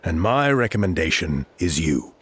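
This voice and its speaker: An earnest tribal elder in a video game. His voice sits low but moves with a lively rise and fall. He talks in a measured, sincere way. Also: very noisy. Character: earnest male tribal elder recruiting a hero. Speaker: village elder.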